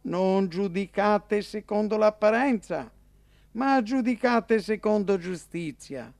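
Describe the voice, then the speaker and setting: A man voicing an earnest, impassioned male teacher, declaiming slowly and emphatically. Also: high voice, expressive, creaky, darkish tone, dry recording, pitched above the performer's own voice, heavily acted. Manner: emphatic, declaiming, slow and ringing.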